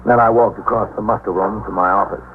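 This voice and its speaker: Man acting police captain, measured and gentle, 1950s radio drama, lo-fi phone-like sound. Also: fairly low pitch, steady tone, natural voice. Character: calm fatherly male police captain, middle-aged. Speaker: police captain narrating his case. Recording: tinny, faintly noisy 1950s radio recording.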